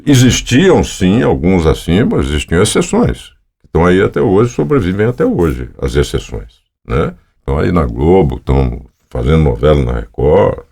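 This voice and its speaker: Man, 70s, from Brazil, lively animated delivery, casual anecdotes. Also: low-pitched, normal speed, gravelly, breathy edge. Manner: rambling, anecdotal, with frequent fillers. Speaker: voice-over artist guest. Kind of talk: casual storytelling interview.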